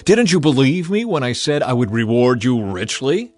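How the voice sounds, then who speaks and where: A man's voice: medium pitch, big pitch swings, normal speed, darkish tone, lightly acted. A man voicing an impatient ancient king with a demanding, indignant manner in a dramatized scripture reading. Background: background music.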